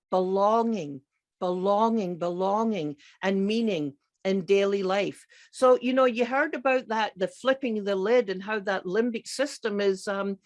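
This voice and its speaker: A middle-aged woman with a Scottish accent speaks at a conference. She is emphatic and enthusiastic and repeats key words for weight. Her pitch sits in the middle of the usual range for a woman. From grew up partly in Scotland. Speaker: psychiatrist and keynote speaker. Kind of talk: conference presentation.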